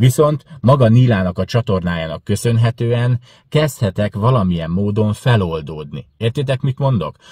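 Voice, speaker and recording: The voice is somewhat breathy with a dark, mellow tone and lively intonation at a moderate pace. The sound is dry with no echo against a quiet background. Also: man. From Hungary. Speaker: YouTuber, charity fundraiser; YouTuber. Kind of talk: vlog monologue. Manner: forceful. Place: car. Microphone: phone near.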